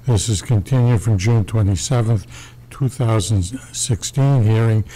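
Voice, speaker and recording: Older man with a mellow voice, reading formally. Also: fairly low pitch, unhurried, a little hiss or hum, low-quality recording. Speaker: board member reading an agenda item. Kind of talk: formal reading aloud of a notice. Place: small public meeting room. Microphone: desk microphone.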